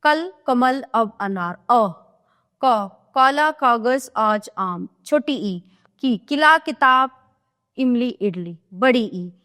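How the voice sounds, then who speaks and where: Woman teacher going through grammar real slow, highish voice, spells out each example, keeps checking in. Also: lively intonation, fairly bright tone. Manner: checks in with the listener as she explains. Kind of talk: explaining a Hindi grammar lesson.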